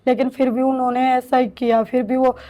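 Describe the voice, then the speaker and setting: A woman in her thirties slowly recounting her own story with halting restarts, as an interviewee in a shelter home. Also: high voice, little pitch movement, warm tone. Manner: halting, slow, hesitant with restarts. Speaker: interviewee, domestic violence survivor. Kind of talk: emotional personal testimony.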